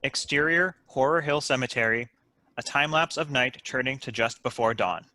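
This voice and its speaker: A man reading stage directions as scripted narration for an animated comedy table read. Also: mid-range voice, moderate pace, dry recording.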